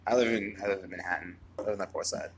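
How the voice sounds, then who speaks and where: Fast-talking young man rambling. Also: low-pitched, fairly even intonation, crowd noise. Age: 20s. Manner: rambling, talks fast with many fillers. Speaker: comedian. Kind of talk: casual chat. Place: bar.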